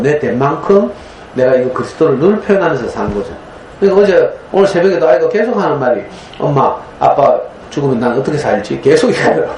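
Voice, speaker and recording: A man's voice: a little high, darkish tone. A man, giving a conversational lecture to parents in a folksy, storytelling manner, often checking in with his audience. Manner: folksy, storytelling, frequent tag questions. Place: lecture room. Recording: roomy lecture hall with faint hum.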